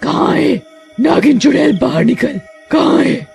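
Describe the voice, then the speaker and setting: A woman voicing an angry, scolding witch from a coven in a cartoon horror story, with a loud, accusing delivery. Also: high voice, a little slow, vocal fry, faint music behind, pitched above the performer's own voice, heavily acted. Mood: furious. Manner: shouting, accusing.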